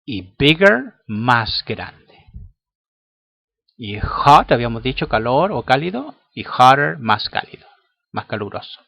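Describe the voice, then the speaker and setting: A man's voice: mid-range voice, sing-song, vocal fry, pushed and bright, no echo. A man teaching a lesson, explaining patiently and often checking in with his students. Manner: slow, patient, checks in with "¿cierto?" and "¿ya?". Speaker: English teacher.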